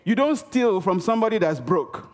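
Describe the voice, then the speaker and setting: His high voice makes big pitch swings at a moderate pace as he preaches in a reverberant church hall. The sermon is emphatic, repeating key words for effect and repeatedly inviting the congregation to respond.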